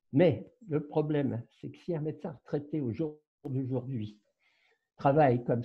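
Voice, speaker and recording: A man talks in a somewhat breathy voice at a medium pitch, with ordinary pitch variation. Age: 80s+. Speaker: doctor. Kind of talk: interview.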